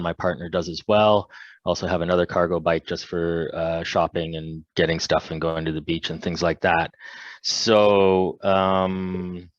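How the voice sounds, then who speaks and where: A man's voice: deep voice, no room sound, highs cut off. A man with a Canadian accent, hesitantly introducing himself as a submitter at a public forum. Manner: hesitant, filler-heavy opening.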